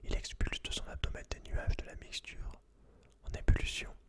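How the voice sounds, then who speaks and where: A man whispering in a breathy, unvoiced voice as an ASMR host, reading aloud and adding informal, slangy asides to the listener. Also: normal speed.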